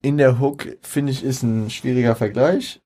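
A man co-hosting a casual music discussion in a hesitant, halting way, choosing his words carefully. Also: medium pitch, steady tone, mellow. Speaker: co-host of a German rap album review.

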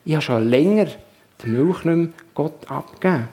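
A man's voice: a little high, expressive, moderate pace, mellow. A man doing a murmuring, worried farmer. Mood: ashamed. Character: worried village farmer, quiet and ashamed.

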